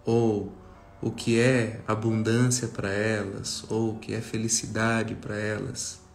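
A Brazilian man speaks as a meditation guide in a lowish, creaky voice. He addresses a group reflectively, leaving long pauses between phrases. Faint music plays behind him. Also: little pitch movement, echoey room. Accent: Brazilian Portuguese. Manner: slow, pausing, reflective.

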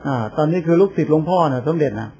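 An older Thai Buddhist monk gives an informal sermon, telling stories in a chatty way with laughter and acting out other people's lines. His voice sits a little high and sounds mellow and husky, with lively intonation and a rapid-fire delivery.

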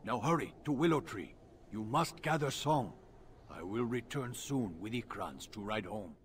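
A man's voice: mid-range voice, lively intonation, normal speed, natural voice. A man playing a grave, loyal alien tribal warrior in a video game, speaking in formal, clipped phrases. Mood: urgent. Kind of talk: video game character acting. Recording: faint background noise.

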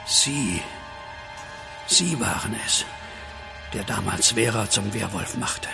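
An actor playing an indignant, defiant captive in a horror audio drama, speaking in a strained manner. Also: male voice, fairly low pitch, takes it slowly, vocal fry, over music. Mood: shocked, bitter. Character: outraged, defiant male captive, grieving widower.

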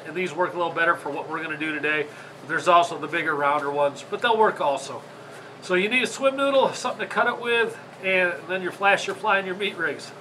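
A man's voice: sits high, pushed and bright, slight background noise, poor audio. A man in his thirties with a Michigan accent and a congested, plugged-up voice, chatting casually as host of a fishing how-to video from an indoor tackle workshop. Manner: chatty, rambling, apologetic. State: congested from a sinus infection.

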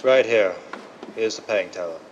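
A man playing a smooth but nervous crooked businessman in a 1930s style radio drama. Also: lowish voice, normal speed, slight background noise, lightly acted. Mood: confident. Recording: dull band-limited vintage-style radio sound.

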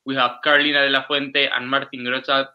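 A man's voice: medium pitch, flat delivery, brisk, dull audio. A man hosting an online panel, asking questions steadily with some fillers. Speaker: host.

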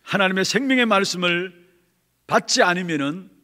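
A male pastor preaching emphatically in a church, pausing for his interpreter. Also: high voice, animated, sharp tone. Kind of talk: sermon with live interpretation. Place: church sanctuary. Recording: long church reverb.

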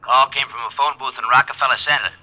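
An actor playing a dutiful police sergeant in an old radio crime drama. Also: male voice, mid-range voice, steady tone, fast talker, close to an everyday voice. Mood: urgent. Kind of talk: 1940s-50s radio crime drama acting. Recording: dull old radio recording.

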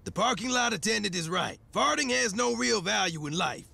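A man playing a blunt, theatrical and uncaring daycare teacher in a cartoon, with a gravelly voice. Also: high voice, expressive, fairly quick, bright, forceful tone, exaggerated voice. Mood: blunt dismissal. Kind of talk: cartoon acting.

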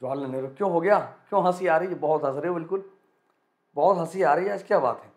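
Energetic male exam-prep teacher, echoey room. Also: fairly high pitch. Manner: energetic, repetitive, coaxing students to answer quickly. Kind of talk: live quiz lesson for students.

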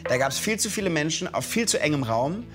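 A man's voice: on the high side, big pitch swings, fairly quick, music in the background. A man playing a cheerful Roman and peasant storyteller. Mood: playful. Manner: playful, exaggerated, addressing kids directly. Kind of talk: costumed history narration for children. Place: studio set with sofa.

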